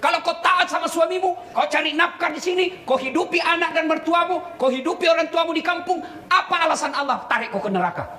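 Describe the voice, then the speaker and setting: A man's voice: very high-pitched, fast talker, hardly any pauses. A man preaching a sermon, joking with the crowd and firing rhetorical questions. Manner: animated, teasing, joking with the audience, rhetorical questions. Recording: echoey hall with background noise.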